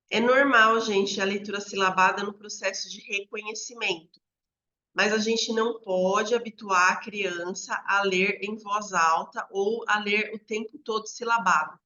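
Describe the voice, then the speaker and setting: A woman educator walks listeners through how children learn to read, pausing often to check that they follow. Her voice is bright and forceful. The recording sounds a little dull and lo-fi. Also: mid-range voice. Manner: explains step by step, frequent "né?" checks with listeners. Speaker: literacy educator. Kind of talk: explanatory teaching talk.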